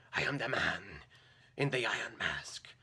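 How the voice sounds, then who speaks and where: This male voice is raspy. It is a put-on character voice. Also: medium pitch for a man, moderate pace. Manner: dramatic, put-on.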